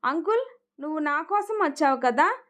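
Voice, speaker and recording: Woman doing a high, slow little girl voice. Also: fairly bright tone. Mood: pleading. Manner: slow, high, childlike pleading. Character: little girl, sweet and pleading.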